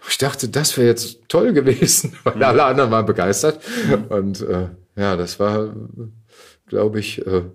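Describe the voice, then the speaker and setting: Guy in his 50s, really low slightly rough husky voice, chatting thru his memories in an interview, kinda halting. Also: steady tone. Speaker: actor and podcast guest. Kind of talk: casual interview storytelling.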